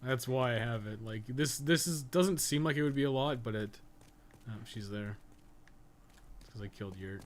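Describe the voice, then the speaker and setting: A man's voice: mid-range voice, moderate pace, pauses often. A man giving casual, rambling live commentary while playing a video game, with some swearing and self-amusement. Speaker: video game streamer and podcast co-host.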